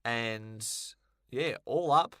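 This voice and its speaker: A man with a bright, punchy voice chats casually as a podcast co-host. He leans on words and repeats them for emphasis. The sound is dry, with very little room in it. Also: mid-range voice, very slow, clear, resonant tone, dry recording. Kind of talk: casual podcast chat about film and games.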